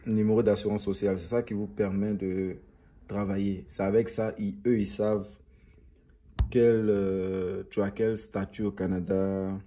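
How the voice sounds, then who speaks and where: A man's voice: fairly low pitch, level tone, unhurried, mellow. A young man chatting casually to viewers as a vlogger, rambling and repeating phrases for emphasis. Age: young adult.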